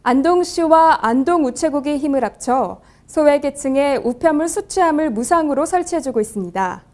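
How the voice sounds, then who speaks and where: A woman's voice: high voice, lively intonation, normal speed, warm tone. A woman news anchor introducing stories in a polished, formal way.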